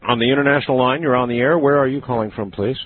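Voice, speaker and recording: A man hosting a late-night call-in radio show, speaking with a smooth radio host delivery. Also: medium pitch, steady tone, very fast. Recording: phone-like lo-fi broadcast with faint hiss.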